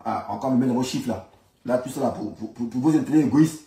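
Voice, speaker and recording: In a roomy, echoing recording, a political commentator from Ivory Coast rants with an Ivorian accent, insistent and argumentative, circling back to the same points. He talks fast in a mellow, mid-range voice.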